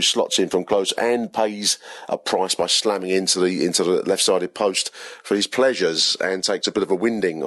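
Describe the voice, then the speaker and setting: A man with a hoarse, low voice reviews a football match on his podcast. He talks in a chatty, rambling way and makes fun of himself. The recording is close and dry, with no room sound. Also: a bit bright, no echo. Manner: chatty, rambling, self-deprecating. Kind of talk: casual solo match review.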